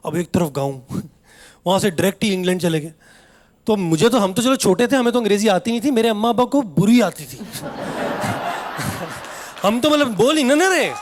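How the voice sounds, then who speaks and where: Young man, stand-up comedian, high voice, animated storytelling, acting out family members. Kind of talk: stand-up routine. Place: comedy stage before a live audience.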